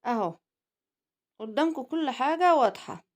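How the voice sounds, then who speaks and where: Egyptian woman, cooking host, middle-aged, high-pitched, teasing, talks straight to viewers. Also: expressive, normal speed, darkish tone. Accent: Egyptian Arabic. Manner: chatty, teasing, addresses viewers directly. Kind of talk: cooking video narration.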